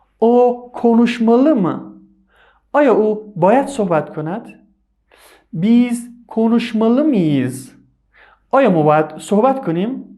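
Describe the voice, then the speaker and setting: A man's dark, mellow, high-pitched voice with lively intonation, very slow pace, long, frequent pauses and audible room echo. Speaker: language teacher. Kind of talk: tutorial.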